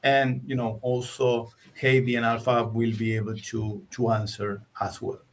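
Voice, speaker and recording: Argentinian man, webinar co-presenter, mid-pitched, halting delivery with fillers. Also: flat delivery. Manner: hesitant, with fillers and repeated words. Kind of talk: tech webinar talk.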